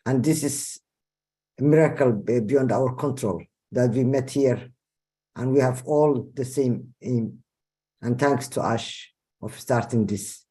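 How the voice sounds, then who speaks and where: A man with a Somali accent speaks haltingly, filling his pauses with "uh". His voice is slightly husky, with a mellow, dark tone. He repeats his thanks to everyone. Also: mid-range voice. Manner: halting, many uhs, grateful. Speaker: participant on a call.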